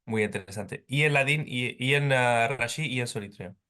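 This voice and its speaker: A male interview host with a mid-range voice asks his guest questions. He listens closely and fills the pauses with brief affirming murmurs. He sounds courteous and engaged. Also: medium pitch, bright, forceful tone. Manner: attentive, frequent short backchannel sounds. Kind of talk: interview hosting. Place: home in London.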